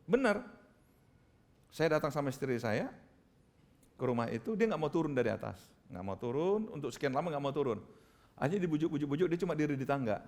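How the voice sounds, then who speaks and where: A middle-aged male pastor preaches in a lively, storytelling manner, turning to his listeners directly. His voice sits a bit high and has a gravelly edge, and his pitch swings widely as he acts out scenes. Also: fairly quick, pauses often. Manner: animated storyteller, addresses the congregation directly. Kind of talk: sermon with acted-out anecdotes.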